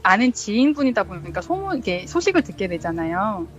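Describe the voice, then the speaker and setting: A woman's voice: medium pitch, sing-song, brisk. A woman guest telling a true ghost story from her childhood in a chatty way, full of fillers, acting out the lines she quotes. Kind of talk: casual storytelling interview. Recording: dull lo-fi sound with faint music.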